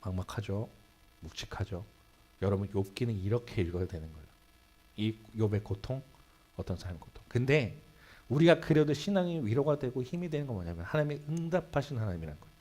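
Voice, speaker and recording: Animated male preacher, lively pitch. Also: fairly quick. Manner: animated storytelling, swinging between loud and hushed. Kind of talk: Sunday sermon. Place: church sanctuary.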